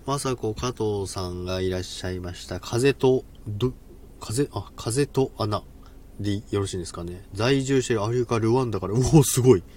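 Male streamer, low voice, casual and self-deprecating, trips over his words. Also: moderate pace, darkish tone, slight background noise. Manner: laughs often, polite and self-deprecating, stumbles over words. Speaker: live stream host. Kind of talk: casual live chat.

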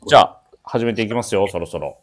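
A man's voice: fairly low pitch, expressive, fast talker. A man hosting a casual radio show, chatting with his guests.

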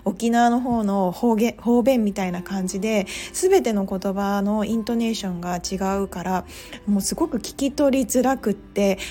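A woman's voice: mid-range voice, dark tone. A woman from Japan hosting a podcast, talking casually with lots of fillers and laughing at herself. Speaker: pharmacist and podcast host. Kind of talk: casual monologue.

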